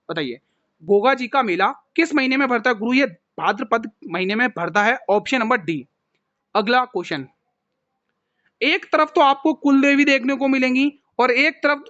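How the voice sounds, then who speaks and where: A man, a coaching teacher solving an exam paper for students in a brisk way, who often calls them "mere bhai". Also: very high-pitched, bright, forceful tone, no echo, dull audio. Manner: brisk, calls viewers "mere bhai", keeps saying "theek hai".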